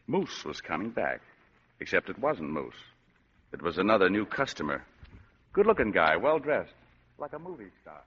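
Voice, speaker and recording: An actor playing a wisecracking, weary private detective who narrates, in 1940s radio style. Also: male voice, low voice, sing-song, moderate pace, long pauses, a bit bright, breathy edge, exaggerated voice. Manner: dry, sardonic wisecracks. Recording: dull old radio recording.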